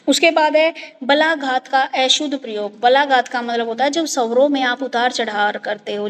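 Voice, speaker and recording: A woman's voice: high-pitched, big-room sound, a little hiss or hum. A woman teaching an online class, explaining step by step and often asking rhetorical questions of her students. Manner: explanatory, repeats rhetorical "kya hai" questions.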